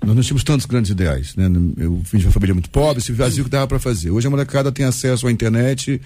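Man in his fifties, mellow dark tone, warm and personal, recorded dry. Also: medium pitch, fast talker, breathy edge, dry recording. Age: 50s. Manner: warm, personal, quotes books. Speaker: panel guest. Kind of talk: Christian radio discussion panel.

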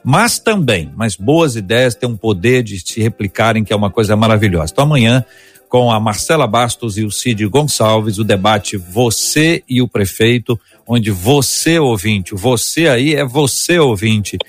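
Lower-voiced male radio host, chatty. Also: animated, moderate pace, soft background music. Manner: chatty, repeats phone numbers, enthusiastic. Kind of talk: radio debate hosting.

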